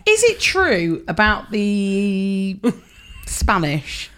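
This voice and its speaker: A woman co-hosting a podcast in casual chat, throwing in quick, teasing quips. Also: mid-range voice, very animated, a bit bright. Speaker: podcast co-host.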